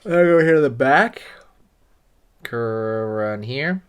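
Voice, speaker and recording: A man's voice: mid-range voice, expressive, slow pace, smooth. A man hosting a casual drawing tutorial, talking loosely with lots of fillers and friendly asides while he draws.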